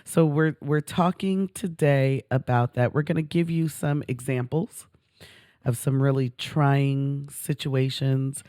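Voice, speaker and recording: A woman's voice: very deep voice, fairly even intonation, slow pace, warm tone, dry recording, studio quality. A middle-aged woman co-hosting a talk show, chatting casually in an emphatic, effusive way and drawing out words for stress. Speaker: podcast co-host. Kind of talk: casual chat.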